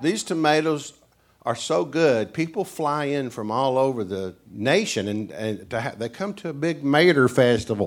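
With a strong Tennessee accent, a man talks in an animated tone at a fairly slow pace, his fairly high voice carrying lively intonation. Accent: Southern US, Tennessee, strong. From Tennessee, US. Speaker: preacher. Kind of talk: sermon. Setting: church with audience. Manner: animated, humorous.

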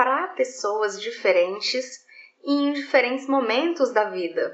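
A woman with a high pitch talks fairly slowly, her pitch swinging very widely. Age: 40s. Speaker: online coach / course creator. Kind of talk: video monologue with course pitch.

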